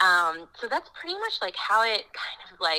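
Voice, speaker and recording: The woman speaks at a fairly slow pace. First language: Spanish. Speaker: novelist. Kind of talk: interview.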